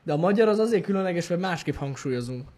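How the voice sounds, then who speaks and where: Young male co-host, easygoing and agreeable, high-pitched voice. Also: lively intonation, a little mellow. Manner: agreeable, backs up the other host. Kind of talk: casual chat.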